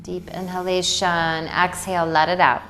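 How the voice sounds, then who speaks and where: A woman leading a guided meditation in a poetic, soothing way, with deliberate phrasing and long pauses. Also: fairly low pitch, little pitch movement, rough recording. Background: music.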